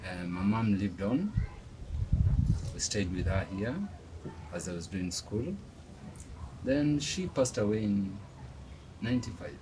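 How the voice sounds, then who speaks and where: Middle-aged man from Kenya, low voice, hesitant and soft-spoken, clear background noise. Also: animated, slow, pauses often. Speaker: guest. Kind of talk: casual interview.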